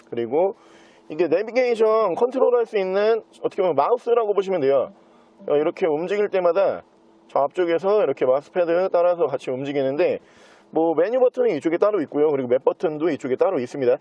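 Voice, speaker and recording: A man giving an unscripted sales walkthrough as a used car dealer, with smooth, practised salesman patter. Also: on the high side, no echo. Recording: dull, muffled lo-fi sound.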